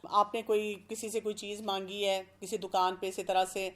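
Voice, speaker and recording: A woman speaking as an expert guest, explaining calmly and working through everyday examples. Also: mid-range voice. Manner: calm, explanatory, gives examples. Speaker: expert guest giving parenting advice. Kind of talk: advice talk.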